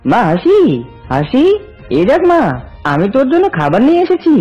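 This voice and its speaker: A woman's voice: high voice, very animated, moderate pace, muffled recording, soft background music. A woman voicing a sly, predatory fox uncle who poses as kind in a children's cartoon. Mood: wheedling, falsely kind. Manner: wheedling sweet talk turning to threats.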